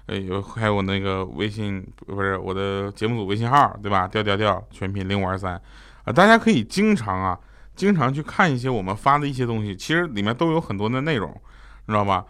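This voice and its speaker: A man hosting a comedy show, telling funny family stories and acting out his shouting relatives. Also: lowish voice, a little fast, smooth. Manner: tells jokes and acts out shouting relatives. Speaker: comedy podcast host. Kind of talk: comic storytelling.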